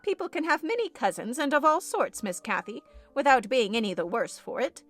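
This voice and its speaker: A woman voicing a sensible, protective housekeeper in an audiobook, firm and soothing as she gently scolds. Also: high voice, sing-song, a little fast, faint music behind, exaggerated voice. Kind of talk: audiobook character voice.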